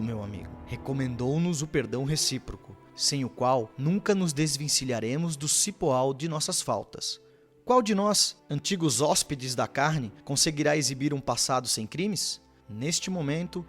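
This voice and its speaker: A man's voice: mid-range voice, natural voice. A man playing a patient, compassionate spiritual counsellor in a radio drama, speaking formally and earnestly like a preacher. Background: music.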